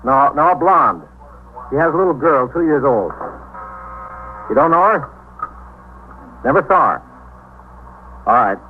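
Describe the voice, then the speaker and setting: A brisk, slightly high-voiced desk sergeant. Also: male voice, animated. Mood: businesslike. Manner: polite, businesslike on the phone. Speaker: police sergeant. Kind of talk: 1950s radio drama acting. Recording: tinny old radio broadcast with faint hiss.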